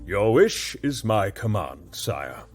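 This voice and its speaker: A man's voice: fairly low pitch, sing-song, slow pace, soft background music, heavily acted. A man narrator voicing a nervous, deferential baron who pleads respectfully with the king. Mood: pleading.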